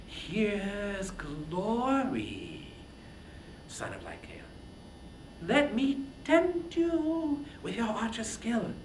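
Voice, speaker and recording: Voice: medium pitch, huge pitch swings, very slow, echoey room, a little hiss or hum, full character voice, poor audio. A performer voicing a cunning warrior goddess in disguise, tempting and urgent, in an epic poetry reading. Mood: tempting, urging.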